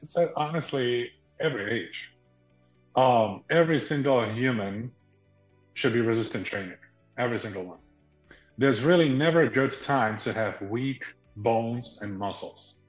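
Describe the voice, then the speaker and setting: A man from Slovakia, explaining fitness ideas as a guest in a measured way that slows to stress key points. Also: mid-range voice, roomy sound, lo-fi sound, faint music behind. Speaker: guest, fitness product founder. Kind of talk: explanatory interview answers.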